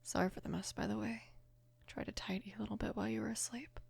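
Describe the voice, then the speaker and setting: A woman of about twenty playing a caring, apologetic mafia boss's daughter in an intimate ASMR roleplay, soft-spoken and hesitant, with a breathy, creaky voice. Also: medium pitch, steady tone, quick pace. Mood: gentle, reassuring. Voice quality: breathy, whispery with heavy creak.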